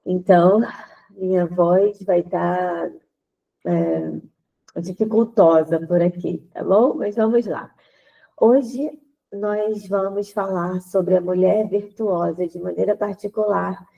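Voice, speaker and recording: A congested woman with a stuffy nose leads a prayer, then teaches a Catholic women's group. She talks gently and deliberately and repeats phrases while she searches for words. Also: lowish voice, fairly even intonation, creaky, muffled recording. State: congested, nasal from sinusitis.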